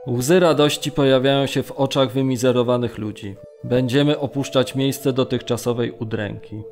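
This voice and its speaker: An actor reading as a Polish camp prisoner bearing witness in an audio drama, sombre, earnest and measured. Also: male voice, mid-range voice, fairly even intonation, darkish tone, lightly acted. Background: music.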